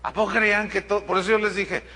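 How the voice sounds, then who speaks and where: A middle-aged man with a Mexican accent preaching a sermon, telling a congregation story in a direct, animated way with humorous asides. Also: sits high, fast talker, slightly rough. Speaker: pastor.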